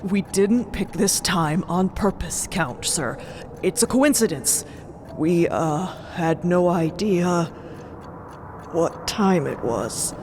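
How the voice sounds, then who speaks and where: Audio drama officer: low register, hesitant, polite to superiors, nervously placating. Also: female voice, animated, slow, a little mellow, slight background noise. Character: nervous, deferential male timekeeper officer. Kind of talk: audio fiction acting.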